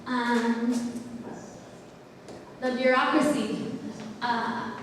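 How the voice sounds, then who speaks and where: A young woman from the United States giving a public talk, hesitant with many pauses and restarts, recorded far off in a lecture hall. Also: a little high, fairly even intonation, a little hiss or hum. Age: young adult. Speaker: exchange student speaker. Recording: echoey hall, mic far off.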